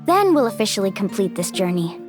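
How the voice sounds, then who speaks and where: An actress playing a cheerful young female tribal guide, warm and earnest, in a video game. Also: medium pitch, very animated, a little fast, close to an everyday voice. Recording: game audio with background music.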